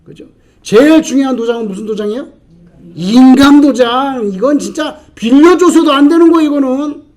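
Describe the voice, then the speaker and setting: A middle-aged man from South Korea preaching a sermon as pastor, telling stories with animated swings and sudden quiet asides. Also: extremely high pitch, normal speed.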